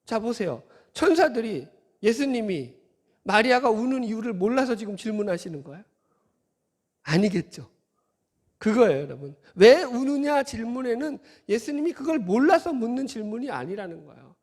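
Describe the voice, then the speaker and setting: A man's voice: extremely high pitch, big pitch swings, normal speed, darkish tone. A male pastor preaching a sermon in a conversational way, asking the congregation rhetorical questions and acting out scolding voices. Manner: acts out scolding voices in quotes. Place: church sanctuary. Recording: church hall reverb.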